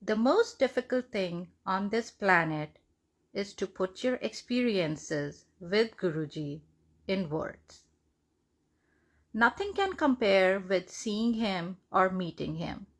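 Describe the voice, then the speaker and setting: A woman reads a devotional testimony aloud in measured, deliberate phrases. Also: medium pitch, expressive. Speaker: devotional reader.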